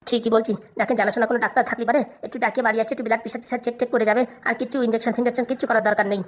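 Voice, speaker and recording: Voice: mid-range voice, level tone, very fast, close to an everyday voice. A performer voicing a crafty, fawning lawyer in a comedy cartoon, obsequious and reassuring. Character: fawning, crafty lawyer advising his madam.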